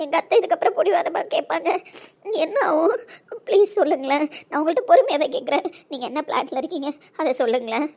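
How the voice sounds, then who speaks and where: A woman's voice: extremely high pitch, creaky, a little mellow. A woman voicing a young woman desperately in love, pleading and repeating herself in an emotional audio drama. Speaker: lead character in an audio drama.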